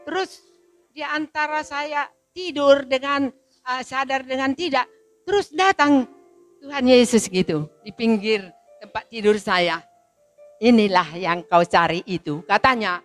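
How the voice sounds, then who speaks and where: A woman's voice: high-pitched, a little slow, soft background music. A woman in her seventies, giving an emotional spoken testimony to a congregation and acting out the people in her story. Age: 70s. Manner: emotional, storytelling, quotes people in lively voices. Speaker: church testimony speaker.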